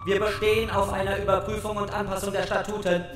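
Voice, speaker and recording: A man's voice: high-pitched, level tone, fast talker, lightly acted. A man playing a ruthless, insistent machine delegate in a science fiction audio drama, with clipped bureaucratic diction. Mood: indignant, protesting. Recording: echoey, distant from mic, music behind.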